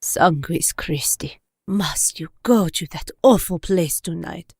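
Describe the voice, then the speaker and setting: An actress playing a superstitious, devout innkeeper's wife in a radio play, giving grave, pleading warnings. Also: female voice, fairly low pitch, slow, a little mellow, husky, no room sound, clean studio sound, exaggerated voice.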